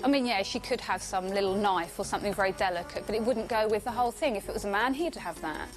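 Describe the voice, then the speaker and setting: A woman's voice: mid-range voice, quick pace. Frank, opinionated woman over music. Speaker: interviewee. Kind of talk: documentary interview. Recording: music under the voice.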